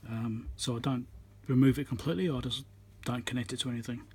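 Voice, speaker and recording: A man giving casual hands-on commentary as he works, halting and half talking to himself while he concentrates, recorded on a phone at an indoor workbench. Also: mid-range voice, fairly even intonation, a little mellow, husky. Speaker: electronics repairer, channel host. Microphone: phone on a tripod above the work. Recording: noisy room recording on a phone.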